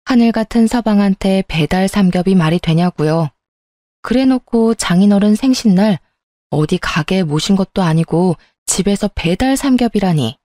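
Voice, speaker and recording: Woman reading out a first-person story, confiding tone, mellow warm voice, dry close sound. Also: medium pitch, lively intonation, normal speed, no room sound. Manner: confiding, plain narration.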